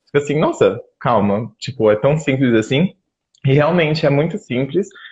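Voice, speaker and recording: Here a man speaks with a Brazilian accent. His pace is moderate. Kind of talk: interview. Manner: casual, filler-heavy.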